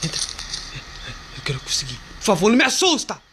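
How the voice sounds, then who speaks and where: A man's voice: high voice, fairly quick, slight background noise. A man casually commenting on a horror game as he plays, talking to viewers and a friend, yelping at scares. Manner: excitable, yelps at jump scares, talks to viewers and a friend. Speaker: gamer playing a horror game.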